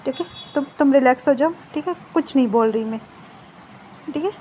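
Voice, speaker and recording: A protective middle-aged mother calms her child with soothing, reassuring words in a storybook retelling, as a woman reads her out. The voice is high and mellow, with faint background hiss. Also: fairly quick, natural voice.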